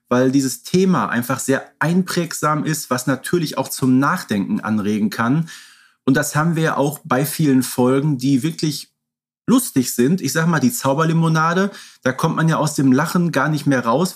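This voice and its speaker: A man co-hosting a podcast, giving his opinions emphatically in a conversational style. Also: on the high side. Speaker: podcast co-host.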